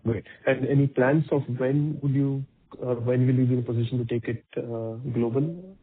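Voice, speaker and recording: A man's voice: medium pitch, moderate pace, slightly rough. A man asking questions as an analyst on an earnings call, in hesitant, tentative phrases. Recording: narrow, tinny phone line.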